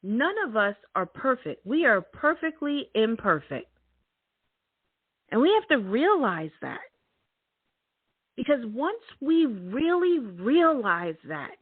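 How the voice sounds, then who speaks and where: Slow, emphatic woman on a phone-like line. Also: high voice, breathy edge, no room sound. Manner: emphatic, repeats key words, laughs often. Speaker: host. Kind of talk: motivational talk. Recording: thin phone-like sound.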